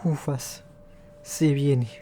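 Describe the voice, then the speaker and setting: A man's voice: medium pitch, fairly even intonation, slow pace, warm tone. A man giving casual gameplay commentary as a gaming host. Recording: faint background noise.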